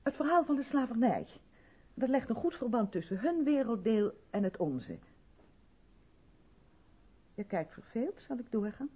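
An actress playing an effusive, self-absorbed white South African theatre director in a 1970s Dutch radio play, chatty and patronising in a theatrical way. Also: female voice, fairly high pitch, very animated, measured pace, long pauses, slightly rough, full character voice. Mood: rapturous, dramatic. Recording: dull vintage radio recording.

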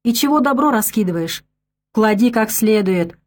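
A woman's voice: on the high side, expressive, normal speed, a little mellow. A woman reading an audiobook, voicing a wary, grumbling old village man with folksy speech.

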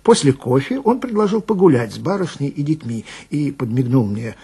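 Casting: male dramatic storyteller as detective narrator, heavily husky with gravelly fry, wry and conversational. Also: mid-range voice, lively intonation, moderate pace, mellow. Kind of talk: first-person dramatic storytelling.

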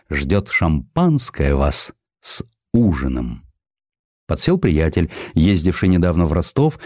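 A man narrating a historical sketch in an expressive scripted style, with dramatic, deliberate phrasing. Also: sits low, no echo, clean studio sound. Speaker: audiobook narrator.

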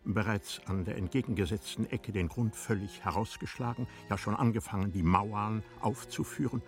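A man narrating a literary radio drama in a measured, formal storytelling manner. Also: on the low side.

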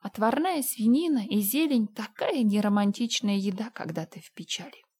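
A woman's voice: medium pitch, animated, moderate pace, darkish tone, breathy edge. An actress playing Anne, a dreamy, dramatic orphan girl of about eleven, with emotional, theatrical pleading. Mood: tragic sulking.

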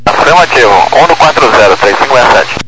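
A man's voice: mid-range voice, animated, fast. A male pilot giving clipped procedural readbacks over a crackly aviation radio. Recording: noisy crackly radio transmission.

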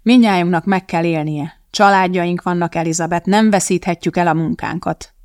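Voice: medium pitch, fairly even intonation, a little mellow, no room sound, clean studio sound, close to an everyday voice. An audiobook reader voicing an anxious male TV producer who pleads and frets. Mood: worried. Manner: worried and pleading. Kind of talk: audiobook character voice.

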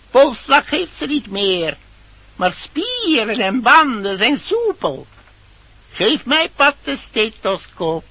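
A man's voice: very high-pitched, gravelly, sharp tone, dry recording, highs cut off, full character voice. A man playing a learned, solemn tomcat doctor in a fairy-tale radio play, speaking in pompous, formal declamation.

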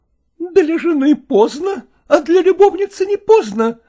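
Brief: male reader doing a high, shrill jealous wife, loud and sarcastic, big swings. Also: animated, a little slow. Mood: scornful, shrill. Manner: sarcastic, shrieking, mocking laughter. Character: jealous wife, middle-aged woman, shrill and scornful. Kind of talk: audiobook reading of a classic novel.

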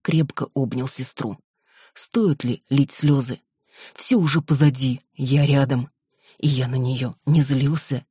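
A man narrating a first-person audiobook in a measured, brooding way. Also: mid-range voice, steady tone, dark tone, husky, dry recording, clean studio sound.

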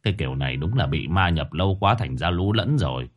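A man voicing a weary older village shaman who talks in a slow, matter-of-fact way. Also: deep voice, expressive, muffled recording, pitched below the performer's own voice. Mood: calm.

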